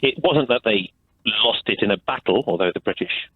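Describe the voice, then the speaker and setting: Male caller, low voice, hesitant delivery, heard over a tinny phone line. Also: slightly rough, dry recording. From United Kingdom. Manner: hesitant, halting, many fillers. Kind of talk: radio phone-in call.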